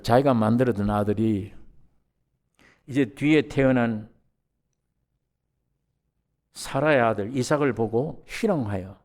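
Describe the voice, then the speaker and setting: A middle-aged man preaching a sermon as pastor, lively and animated, acting out the voices he quotes with sudden rises in pitch and volume.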